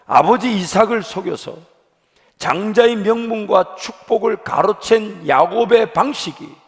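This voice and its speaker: A man pastor preaching an earnest sermon in a church sanctuary, slowing down to stress key words. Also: high voice. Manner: earnest preaching, rising with emphasis. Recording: long hall reverb.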